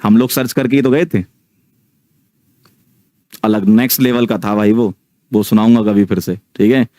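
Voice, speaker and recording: A man's voice: fairly low pitch, steady tone, moderate pace, warm tone, no echo. A man in his thirties telling a ghost story casually to a live online audience, often checking in with his listeners. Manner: chatty, keeps checking in with the listeners.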